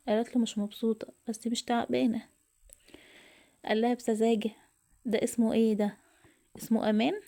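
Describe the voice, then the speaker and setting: Woman, Egyptian accent, storytelling narration, soft and half-whispered, dark mellow tone. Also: mid-range voice. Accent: Egyptian Arabic. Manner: soft, often whispered delivery.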